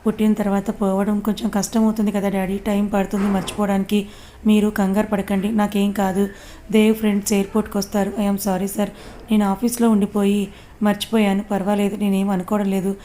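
Female narrator for a serialized romance, mellow tone, level delivery, does all the parts herself. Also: medium pitch, completely flat delivery, fairly quick, a little hiss or hum. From Telugu-speaking India. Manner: voices all the characters in her own plain voice. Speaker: storyteller. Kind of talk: reading a serialized romance story aloud.

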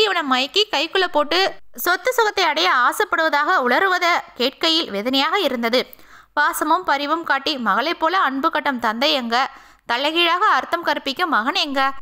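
Casting: woman storyteller, high pitch, crisp and bright, reading a romance serial. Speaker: audio novel narrator. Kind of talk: scripted narration.

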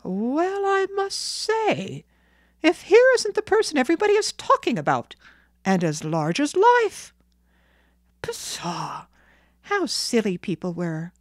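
A woman's voice: on the low side, huge pitch swings, takes it slowly, no room sound, clean studio sound, full character voice. A woman voicing an astonished, scoffing male telegraph operator from a small town in a storybook. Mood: amused disbelief. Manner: exclamatory, scoffing.

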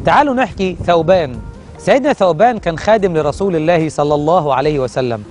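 A man with an Egyptian Arabic accent hosts a religious television segment, telling stories earnestly and with feeling. His voice sits high and the words come quickly. Soft music plays faintly behind him. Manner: earnest, emotive storytelling. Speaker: TV religious program host.

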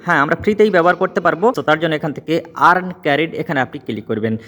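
A man with a slightly high voice hosts a step-by-step tech tutorial at a quick clip. He stresses and repeats his points, dropping in English linking words. His voice trails a long reverb. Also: expressive, a bit bright. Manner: emphatic, repetitive, mixes in English connectives. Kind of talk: step-by-step app tutorial narration.

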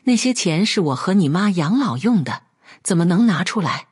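A woman's voice: on the low side, sing-song, moderate pace, breathy edge, exaggerated voice. A woman playing a selfish old father-in-law. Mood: furious. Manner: harsh, shouting insults.

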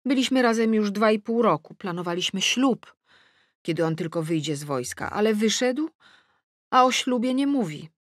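A woman's voice: mid-range voice, animated, normal speed, no room sound, clean studio sound, voice pushed up, natural voice. A woman voicing a heartbroken eighteen-year-old girl reading out her earnest, plaintive letter in an audiobook.

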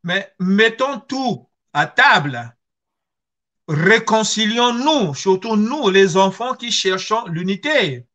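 A middle-aged man speaks with a Congolese accent in a high, forceful voice. He takes his time, setting out his testimony earnestly and with emphasis, often through rhetorical questions. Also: animated, takes it slowly. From Congo-Brazzaville. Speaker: guest speaker. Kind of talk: personal testimony on history and identity. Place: small furnished room at home, video call.

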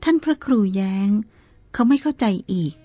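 A woman reading a Buddhist novel aloud in a calm, measured storytelling manner, with soft music behind her. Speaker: narrator.

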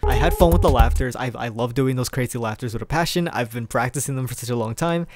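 A man's voice: medium pitch, quick pace, dry recording. A young man telling a casual storytime in a chatty, slangy, rambling way as a video creator. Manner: animated, chuckling, informal slangy rambling. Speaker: video creator, amateur voice actor.

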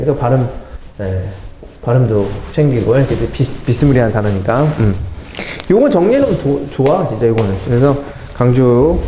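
A middle-aged man teaching English vocabulary in a lively classroom lecture, mixing English phrases into his explanations and talking to his students as kids. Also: mid-range voice. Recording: echoey classroom with faint noise.

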